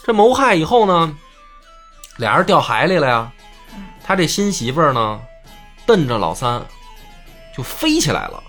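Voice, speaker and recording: A man's voice: a little high, wildly swooping pitch, normal speed, pauses often, fairly bright tone, soft background music. A man telling a folk tale in a chatty, joking way with asides. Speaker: storyteller. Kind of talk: casual comic storytelling.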